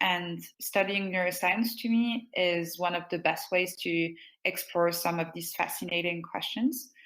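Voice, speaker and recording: A woman speaks at a fairly low pitch and a fairly slow pace, with ordinary pitch variation. The recording is very clean, with a silent background. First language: not English. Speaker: entrepreneur and neuroscience student. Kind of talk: interview. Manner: hesitant, with fillers.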